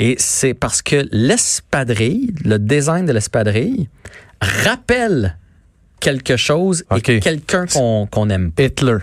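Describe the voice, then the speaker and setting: A man's medium-pitched voice with a Quebec accent, very slow, very even in loudness, with very wide pitch swings. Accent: Québécois French. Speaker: radio quiz show host. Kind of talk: casual chat, quiz show hosting.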